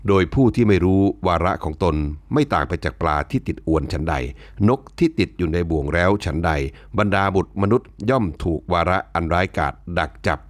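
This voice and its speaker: A man delivering a reflective spoken essay in a measured, wry, unhurried way, politely closing his phrases. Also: low-pitched, expressive, no room sound. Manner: polite, ends phrases with the male particle. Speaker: commentator.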